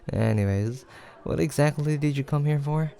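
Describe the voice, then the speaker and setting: A man acting a playful, creaky-voiced teasing guy friend. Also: on the high side, dark tone. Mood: fond teasing. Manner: playful teasing, frequent chuckles, casual banter. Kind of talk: improvised audio roleplay addressed to the listener.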